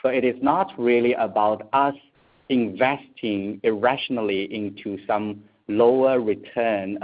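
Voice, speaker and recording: A man explaining financial matters as an executive on an earnings call, in a measured, halting way with repeated words. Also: fairly low pitch. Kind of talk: earnings call answer, unscripted business explanation. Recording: tinny phone conference line.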